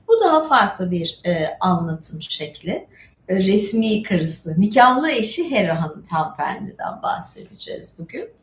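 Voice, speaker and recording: Echoey, animated woman telling myths. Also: on the high side. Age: middle-aged. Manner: chatty, digressive, with asides. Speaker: storytelling stream host. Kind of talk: informal live reading and retelling of myths. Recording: echoey room with faint background noise.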